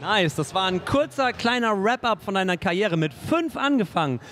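A man's voice: high voice, lively intonation, moderate pace, fairly bright tone, slight background noise. A middle-aged man hosting a sports interview in an upbeat, chatty way, speaking into a handheld mic. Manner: upbeat, chatty, says "nice" and "ähm" a lot. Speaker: host, interviewer. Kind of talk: hosted interview and announcements. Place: indoor studio in front of a sponsor wall.

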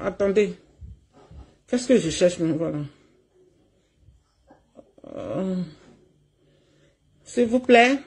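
A woman's voice: mid-range voice, expressive, very slow, long pauses, a little mellow. A woman streamer delivering a heated livestream rant, combative and mocking, laughing as she scolds. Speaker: online streamer.

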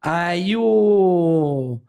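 A man's voice: high voice, lively intonation, drawn-out words, gravelly, dark tone, clear, resonant tone. A man rambling through crude stories in a casual podcast chat, full of slang fillers. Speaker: podcast guest.

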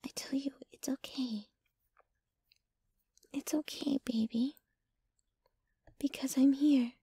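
A woman's voice: sits high, fairly even intonation, slow, dark tone, no room sound. A woman playing a jealous, possessive, dominant yet clingy young girlfriend in an intimate, whispery ASMR roleplay, close to the microphone. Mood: soothing, devoted. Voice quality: breathy, whispery. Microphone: close microphone, dry.

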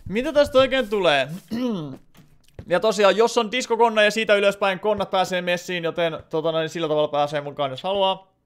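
A man's voice: sits high, smooth. A man live-streaming a video game, chatting casually with his viewers and rambling with many filler words.

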